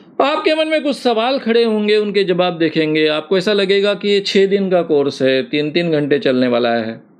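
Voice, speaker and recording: Amid noticeable background noise, a man speaks at a high pitch with very wide pitch swings, very even loudness and hardly any pauses. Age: 70s. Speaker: self-hypnosis workshop teacher. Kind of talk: course promotion talk.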